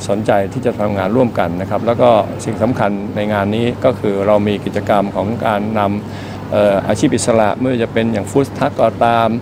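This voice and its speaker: Formal man, low voice, noisy hall. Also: a little fast, few pauses. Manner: polite, steady, with frequent hesitation fillers. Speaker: government official at a press briefing. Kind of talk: formal press statement. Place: indoor event hall. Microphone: press microphones held up close.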